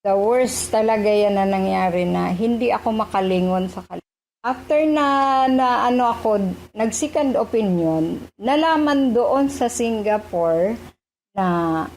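A woman's voice: mid-range voice, a little slow, darkish tone, a little hiss or hum, poor audio. A woman doctor recounting her recovery from cancer in an interview, hesitating often with fillers and slipping into English phrases. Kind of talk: personal testimony in an interview.

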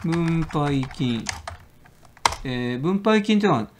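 Chatty lively-pitched male trading host. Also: takes it slowly, slight background noise. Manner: chatty, laughs often, reads aloud, stops to look things up. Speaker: stock trading show host. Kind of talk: casual solo talk answering a listener letter.

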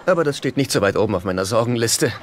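A man's voice: medium pitch, lively intonation, racing, close to an everyday voice. A man acting a sardonic, self-pitying middle-aged housemate in dubbed sitcom dialogue. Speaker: dubbing actor. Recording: faint background noise.

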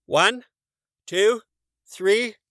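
A naive, literal-minded moose from a children's storybook. The voice is pitched high and bright, with a cheerful, innocent earnestness. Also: male voice, drawn-out words, no room sound, clean studio sound, heavily acted. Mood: earnest.

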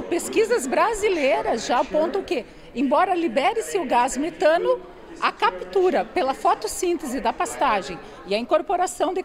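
A Brazilian woman professor gives an explanatory interview in a high voice. Her intonation moves a lot. A crowd murmurs around her in the event hall. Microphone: handheld reporter microphone.

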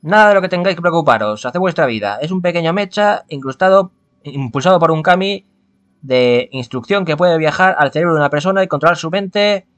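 A man's voice: a little high, lively intonation, brisk, a bit bright. A man voicing a matter-of-fact, dismissive scientist in a visual novel reading.

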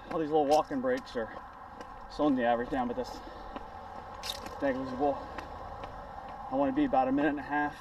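A man's voice: on the high side, vocal fry, a little mellow, highs cut off. A man in his forties talks casually and encouragingly to a camera at arm's length while running outdoors, sounding exerted. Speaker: running vlogger. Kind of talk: casual motivational chat to camera. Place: outdoors on roadside paths, in wind. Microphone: action camera held at arm's length. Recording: windy outdoor action camera, distant, noisy.

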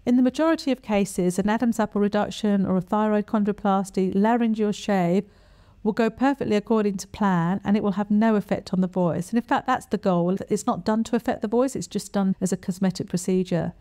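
A middle-aged woman giving an explanatory talk to camera as a specialist, in a measured, plain-spoken and instructive manner. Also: mid-range voice, mellow. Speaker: voice specialist presenter. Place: small quiet furnished room, indoors. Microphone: lapel mic.

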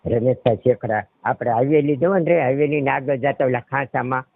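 Gravelly and medium-pitched, this middle-aged caller talks fairly quickly over a tinny narrowband phone line with no room sound. Speaking with a Saurashtra Gujarati accent, he tells a meandering personal account and keeps asking whether the listener follows.

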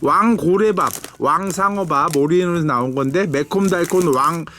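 A man's voice: a little high, normal speed, pushed and bright, slight background noise. A man hosting a snack review, chatting casually and thinking aloud in an informal, unscripted way. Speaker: host of a snack review video. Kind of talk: casual food review chat with a child.

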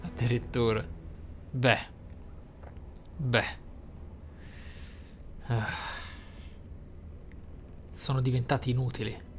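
A man's voice: mid-range voice, flat delivery, slow, long pauses. Man commentating a game over music. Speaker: gameplay host. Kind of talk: playthrough commentary on a roleplaying game. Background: game music behind the voice.

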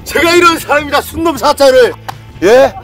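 A high, lively man crows and jokes about his fish on a seaside pier, his pitch leaping around as he shouts and then mumbles. Loud music plays underneath. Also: brisk. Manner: swings between shouting and mumbling. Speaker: angler. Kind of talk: boastful playful commentary.

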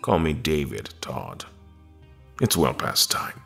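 An actor playing a dignified, reserved space admiral who speaks in formal, measured, articulate phrases in an audio drama. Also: male voice, very deep voice, very animated, gravelly, pushed and bright, soft background music, exaggerated voice. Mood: wry, friendly.

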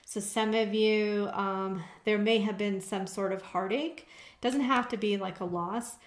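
A woman of middling pitch reads tarot cards for her viewers. She talks casually and keeps checking in with little "okay?" asides. Her voice rings a bit in an echoey room. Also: steady tone, unhurried. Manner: conversational, frequent "okay?" check-ins. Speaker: tarot reader. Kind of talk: tarot reading to camera.

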